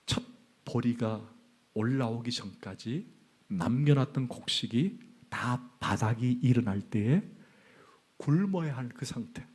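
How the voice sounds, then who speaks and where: A middle-aged male pastor preaching a sermon, telling an animated story and acting out the quoted dialogue. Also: medium pitch, takes it slowly, breathy edge.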